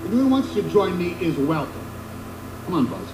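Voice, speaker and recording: Through a noisy, echoing film copy comes an earnest, stubborn male toy leader. The voice sits fairly high and swings widely, urgent and loyal. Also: very animated, normal speed. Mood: determined. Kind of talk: animated film voice acting.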